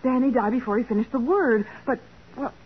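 An actress playing an anxious, curious detective's assistant in a 1940s radio crime drama, full of questions. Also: female voice, fairly high pitch, a little fast, husky, narrow, tinny audio. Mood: amazed. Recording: thin, noisy 1940s radio recording.

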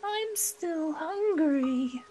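A sulky, hungry wooden puppet boy whimpers in a squeaky falsetto pitched far above a grown voice. The storybook reading has a soft music bed behind it. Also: moderate pace. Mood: whiny.

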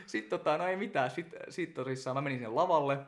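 Young male guest, slightly high-pitched, lively anecdotal chatter with frequent laughs. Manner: animated storyteller, laughs often, many fillers. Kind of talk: casual chat.

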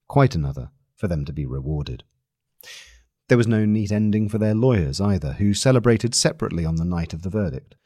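A man narrates long-form journalism in a very low voice. His phrasing is measured and deliberate, with a slightly husky edge to the sound. The recording is dry and close, with little room in it. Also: mellow, no room sound. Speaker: narrator reading a long-form newspaper article aloud.

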